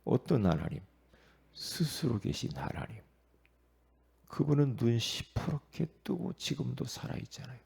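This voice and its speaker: Gravelly-voiced male pastor preaching. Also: mid-range voice, animated, measured pace, a little mellow. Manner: questioning the congregation, repetitive emphatic preaching. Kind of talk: early-morning prayer sermon.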